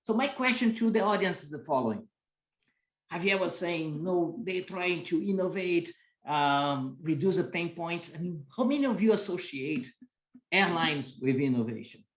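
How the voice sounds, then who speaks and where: Man, Brazilian accent, fairly high voice, webinar host, echoey room. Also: expressive, normal speed. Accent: Brazilian Portuguese. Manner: conversational, frequent "right?" and "kind of" tags. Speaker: webinar host, business school professor. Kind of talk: webinar presentation.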